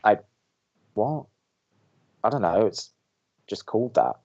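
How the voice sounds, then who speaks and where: Young American man, sulky deadpan student DJ, low pitch with lively swings, slightly dull recording. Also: takes it slowly, vocal fry, heavily acted. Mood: sarcastic. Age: young adult. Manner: deadpan, reluctant, exasperated. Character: grumpy, sarcastic young male college radio co-host. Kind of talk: audio drama dialogue as banter.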